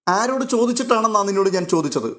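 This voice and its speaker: Man doing a cheeky bossy young woman, mock-scolding, higher voice. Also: animated, fast talker, fairly bright tone. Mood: mock-stern. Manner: mock-stern, playful scolding.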